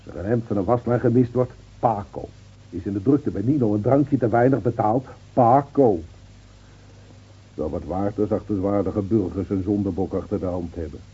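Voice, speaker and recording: An actor playing a placid, wry, world-weary village gendarme reasoning soothingly in a radio play. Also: male voice, on the low side, normal speed, husky. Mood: tolerant, persuasive. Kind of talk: Dutch radio play acting. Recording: dull, muffled old radio recording.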